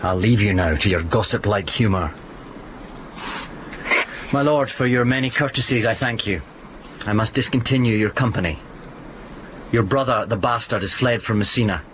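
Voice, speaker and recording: An actor playing a grave nobleman in a stage drama, measured and firm. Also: lowish voice, fairly bright tone, a little hiss or hum, natural voice, poor audio. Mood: cold. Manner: measured, cold, firm delivery. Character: grave male nobleman, cold and challenging.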